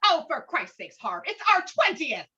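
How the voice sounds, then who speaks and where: A woman's voice: high-pitched, very animated, normal speed, pushed and bright, dull audio, pitched above the performer's own voice, heavily acted. A woman reading the part of a stern, exasperated suburban mother of three in a screenplay table read, scolding and clipped.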